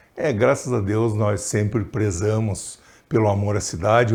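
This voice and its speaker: At a fairly slow pace, a man speaks with a fairly low pitch, a somewhat breathy voice and a dark, mellow tone. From southern Brazil, Lages, Santa Catarina. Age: 60s. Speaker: city councillor and physician. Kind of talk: interview.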